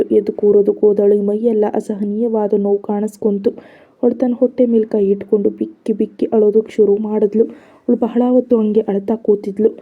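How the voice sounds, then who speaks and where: A woman narrating an audio drama story in a measured storytelling manner. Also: mid-range voice. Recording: slightly dull lo-fi audio.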